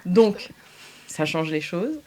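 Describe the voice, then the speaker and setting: A woman's voice: on the low side, very animated, slow pace, warm tone. A woman game master narrating an improvised tabletop game. She talks in a chatty, hesitant way, full of fillers and restarts, and often slips into little theatrical voices for the characters.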